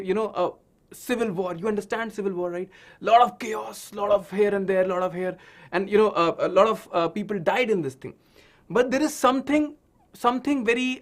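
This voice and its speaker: Animated Indian man teaching, swooping high voice. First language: Hindi. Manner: dramatic storytelling with frequent check-in questions. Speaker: science teacher. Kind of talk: animated online lesson for children.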